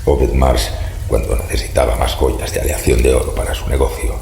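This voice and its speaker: An actor playing a grim, haunted keeper of occult secrets in an audio horror serial, with a growling voice, Castilian Spanish accent and solemn, ominous delivery. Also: male voice, rumbling low, steady tone, fairly quick, dark tone. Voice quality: very gravelly, growling. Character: grim haunted man who knows forbidden occult secrets. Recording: roomy reverb, faint noise.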